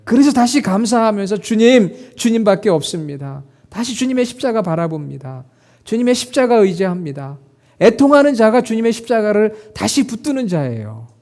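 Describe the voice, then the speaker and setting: A middle-aged man preaching a sermon as pastor, earnest, lifting into emotional prayer-like quotes and then dropping soft. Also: high voice.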